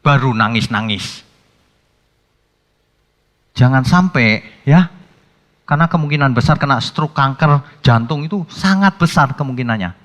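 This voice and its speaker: Bright-voiced pastor in echoing church. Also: male voice, mid-range voice, a little slow, pauses often. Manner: conversational, colloquial preaching with sudden animated outbursts. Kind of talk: sermon. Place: church hall. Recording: long hall reverb with faint music.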